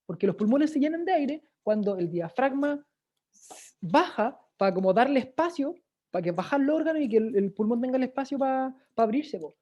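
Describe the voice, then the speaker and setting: A woman's voice: sits high, lively intonation, fairly quick, dark tone. A woman with a Chilean accent leading an online workshop on speaking, demonstrating exercises and often checking in with listeners. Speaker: workshop presenter. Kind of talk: lively online workshop teaching. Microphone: video call. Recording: dull lo-fi video call audio.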